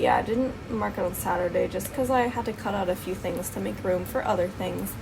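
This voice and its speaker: A woman's voice over noticeable background noise. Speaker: planner and sticker YouTuber. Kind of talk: plan-with-me voiceover. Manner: casual, chatty.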